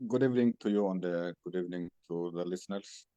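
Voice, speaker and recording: A man from Ethiopia with an Ethiopian accent, answering in a measured way as a radio guest. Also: low-pitched, mellow, clear, resonant tone, no room sound. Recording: dull, lo-fi sound.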